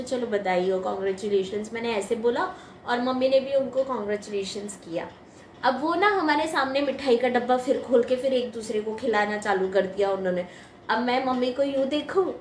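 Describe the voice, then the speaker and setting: A young woman tells a casual devotional story with a high, bright voice, laughing now and then and slipping English words into her talk. She sounds recorded in an echoey room with a faint background hum. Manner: chatty, laughs often, mixes English words. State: eight months pregnant. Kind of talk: casual spoken testimony to followers.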